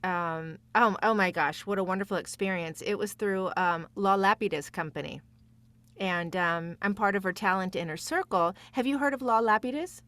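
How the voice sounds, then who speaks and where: A woman's voice: medium pitch, normal speed, a bit bright. A woman chatting casually as a podcast guest, effusive and emphatic in the way she talks. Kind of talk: casual chat.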